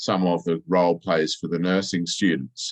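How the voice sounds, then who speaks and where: A man with an Australian accent, very deep and low in pitch, at a fairly quick pace with fairly even intonation and a dry, close sound with no echo. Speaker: actor and drama trainer. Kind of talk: presentation in an online information session. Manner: hesitant, with fillers and restarts.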